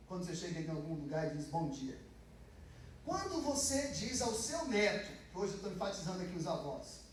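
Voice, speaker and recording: A Brazilian Portuguese pastor with a high voice preaches a sermon in a casual, talky way, slipping into the voices of the people he quotes. He is picked up from a distance in a big church hall that rings with heavy echo, with a faint hum of room noise behind him. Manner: conversational preaching, acts out quoted blessings. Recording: echoey church from afar.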